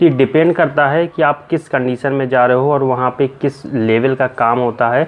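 Here a man is speaking. He keeps a moderate pace. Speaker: career advice vlogger. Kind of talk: casual vlog chat. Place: home room. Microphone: phone near.

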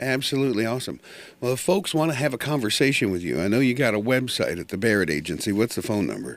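A medium-pitched man with vocal fry and lively intonation. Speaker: radio host. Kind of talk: radio interview. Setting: studio.

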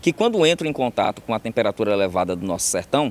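A man at a fairly quick pace, the sound dry with no echo. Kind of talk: interview answer. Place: street. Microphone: handheld.

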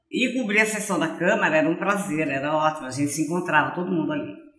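Against a quiet background with audible room echo, a woman speaks with very wide pitch swings. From Brazil, Santa Bárbara d'Oeste, São Paulo state; São Paulo state, Brazil. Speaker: journalist. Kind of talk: interview. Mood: warm, nostalgic. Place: studio. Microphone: lapel.

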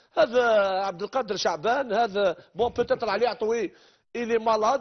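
The man's voice is high-pitched and animated in tone, set against a quiet background. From Algeria. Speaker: football analyst. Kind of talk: heated debate. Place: studio. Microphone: lapel.

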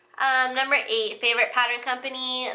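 The background is quiet. A woman speaks with an American accent. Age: 20s. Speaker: sewing vlogger. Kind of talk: casual chat. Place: home room. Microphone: camera far.

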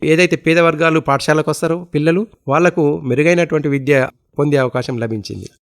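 A man speaks with a fairly high pitch and ordinary pitch variation in an ordinary speaking voice. The sound is dry and close, with no echo. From Telangana, Adilabad district. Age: 50s. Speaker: politician, poet and former teacher. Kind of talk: radio interview. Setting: radio studio.

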